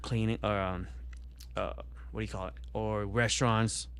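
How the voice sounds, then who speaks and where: Low, smooth-voiced man rambling casually. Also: fairly even intonation, normal speed. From Vietnam. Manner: rambling, many fillers and restarts. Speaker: podcast guest. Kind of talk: casual podcast conversation.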